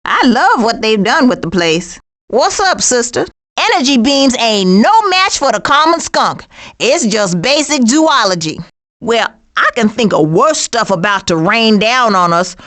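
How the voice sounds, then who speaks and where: A woman voicing a brash, streetwise female skunk in an animated video game, with an American accent and a sassy, blunt manner. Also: on the high side. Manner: sassy, blunt, folksy slang.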